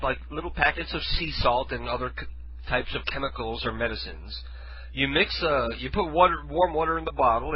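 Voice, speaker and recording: A man's voice: mid-range voice, highs cut off. A man hosting his own internet radio show from his living room, talking loosely and self-deprecatingly while stuffed up from a head cold. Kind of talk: casual rambling monologue. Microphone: studio mic with headphones.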